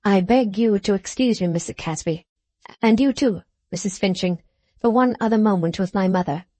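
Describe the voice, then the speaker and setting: A woman voicing an earnest grown son who pleads with his mother in a hushed, careful way. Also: medium pitch, normal speed, dry recording, lightly acted.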